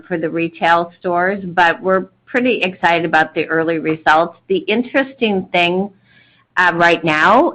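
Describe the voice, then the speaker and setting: Woman, fairly low pitch, corporate executive, explanatory business talk, earnings call. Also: a bit bright, poor audio.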